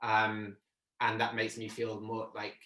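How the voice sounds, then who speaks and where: A man's voice: on the low side, completely flat delivery, slow pace, sharp tone. A young man, talking earnestly on a video call. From Italy, Arbëresh community. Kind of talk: casual video call discussion. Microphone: laptop mic on video call. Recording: echoey room on video call.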